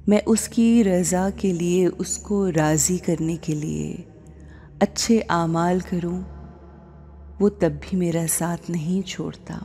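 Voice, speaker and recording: Lady doing a spiritual guided meditation, super slow, lowish mellow voice, music behind her. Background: background music.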